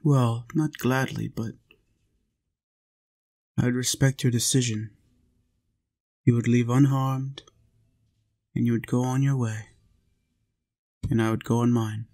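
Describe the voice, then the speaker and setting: A man playing a lonely, tender, centuries-old vampire in an intimate roleplay audio, confiding softly and earnestly. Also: medium pitch, fairly even intonation, slow, long pauses.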